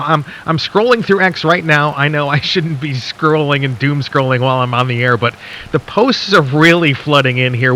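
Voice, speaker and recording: A man playing a folksy late-night radio DJ in a radio drama, speaking intimately and conversationally to listeners with theatrical pauses and a skeptical, intrigued air. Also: on the high side, sharp tone, slight background noise. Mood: wry, skeptical. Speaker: radio host.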